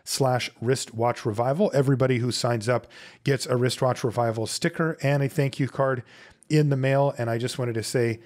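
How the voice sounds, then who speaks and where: On his watch repair channel, a man talks through a tutorial step by step in an easygoing, conversational way, as if thinking aloud. His mid-range voice is darkish and steady in tone, with a moderate pace.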